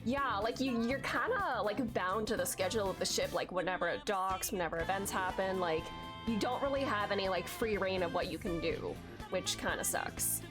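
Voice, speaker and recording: A woman's voice: medium pitch, normal speed, music in the background. A young woman streaming a game, chatting casually with viewers, with a congested voice and lots of filler likes. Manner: chatty, many filler likes, excited outbursts at finds. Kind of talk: casual gameplay chat with viewers.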